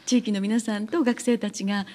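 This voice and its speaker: A woman's voice: on the high side, fairly even intonation, brisk. A woman hosting a radio interview, attentive and friendly, with constant backchannel responses. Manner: warm, attentive, frequent backchannel. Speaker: radio host.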